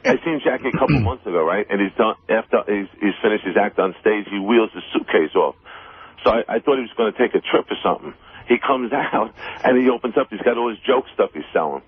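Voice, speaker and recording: A man with a lowish, husky voice phones a radio show. He chats casually with animated pitch. The line is narrow and tinny. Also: fast talker, dry recording. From Long Island, New York. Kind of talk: casual call-in chat.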